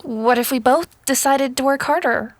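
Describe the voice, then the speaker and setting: A woman playing a bewildered, earnest sixteen-year-old girl in an audio drama, speaking in a hesitant, halting, sincere way. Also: high voice, no echo, close to an everyday voice. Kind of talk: audio fiction drama acting.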